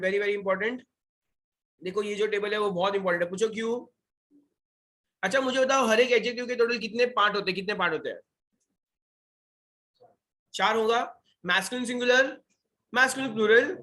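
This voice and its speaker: A young man with an Indian accent runs an online French revision lesson, quizzing students and repeating the key points while mixing Hindi and English. His voice is very high-pitched, pushed, and bright.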